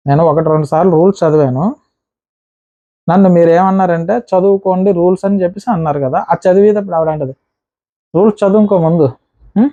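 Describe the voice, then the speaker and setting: Fast-talking man recapping a show. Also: fairly high pitch, dark tone, dry recording. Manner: rapid storytelling, acting out contestants' quotes. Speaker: reality show reviewer. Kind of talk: casual episode recap.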